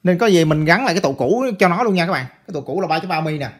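A chatty man walks viewers through a circuit board repair at his workbench. His voice sits a little high for a man, and he keeps repeating phrases and calling out to the audience as he works. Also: animated, very fast. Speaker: electronics repair instructor. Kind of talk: casual hands-on repair tutorial.

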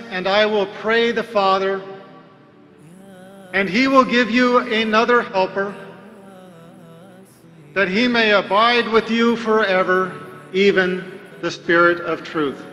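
A man giving a deliberate, emphatic religious lecture full of rhetorical questions. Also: sits high, sharp tone, big-room sound. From United States. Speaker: Islamic preacher.

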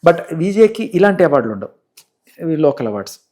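Soft-spoken radio jockey recounting his career. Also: fairly high pitch, sing-song, a little fast. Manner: soft-spoken, anecdotal, mixes in English words. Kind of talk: casual interview.

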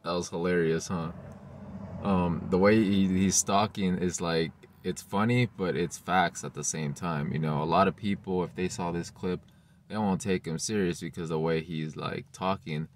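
A young man giving casual reaction commentary to camera, talking haltingly with lots of "like" and "you know", recorded inside a car. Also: low-pitched, steady tone, a little hiss or hum. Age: young adult. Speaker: vlogger.

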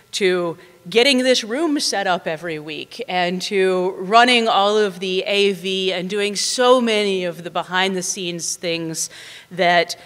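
A young woman who organizes and hosts a lecture series gives an earnest introduction speech at a podium mic, occasionally stumbling over her words. Her voice is mid-range and a bit bright, and the large lecture room with an audience adds a long hall reverb.

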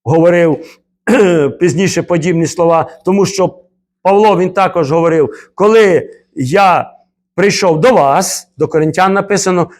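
A man preaching a church sermon as pastor, swinging from quiet reflection to loud, emphatic repeated exhortations. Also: on the high side.

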